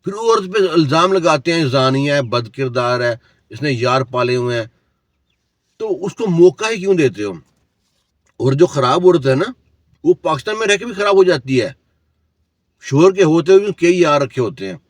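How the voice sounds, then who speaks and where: A man's voice: on the high side, lively intonation, no echo, clean studio sound. A man telling a cautionary story in a preachy, lecturing way, asking the listener rhetorical questions. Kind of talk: moralizing storytelling.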